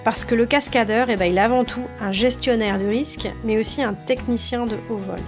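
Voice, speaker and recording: A woman's voice: a little high, steady tone, brisk, over music. A woman hosting an interview podcast, chatting casually with many fillers and speaking straight to the listener. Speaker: podcast host.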